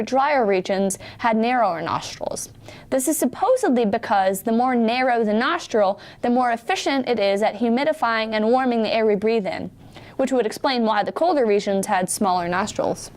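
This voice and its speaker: A young woman co-hosts a student television news segment, chatting animatedly with constant "like"s. Her voice sits on the higher side. She also reads short news items in a plain studio-read style. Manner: animated, lots of "like", lively swings in pitch. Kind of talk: casual chat and scripted news reading.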